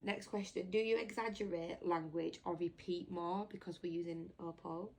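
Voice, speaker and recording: A woman's voice: lowish voice, fairly even intonation, moderate pace, gravelly, a little mellow. A woman chatting casually as a parent vlogger answering viewer questions, teasing and laughing easily. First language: English. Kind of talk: casual chat.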